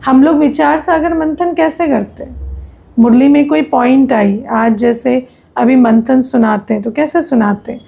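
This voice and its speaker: A female spiritual teacher with an Indian accent explains her teachings in a conversational, instructive way, her high, creaky, mellow voice moving at a measured pace with fairly even intonation. Her manner is didactic: she often poses rhetorical questions to listeners and checks that they understand.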